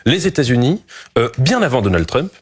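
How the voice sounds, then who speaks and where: Homme chroniqueur, voix un peu voilée. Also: male voice, mid-range voice, big pitch swings, brisk, slightly rough. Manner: argumentative, hesitant fillers. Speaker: panelist. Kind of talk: TV debate.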